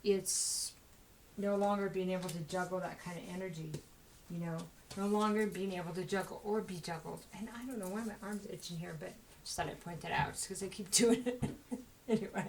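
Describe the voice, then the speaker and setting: A woman giving a casual tarot reading, talking fast and rambling with plenty of fillers. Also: fairly low pitch, fairly even intonation, a little mellow, a little hiss or hum, rough recording. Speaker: tarot reader.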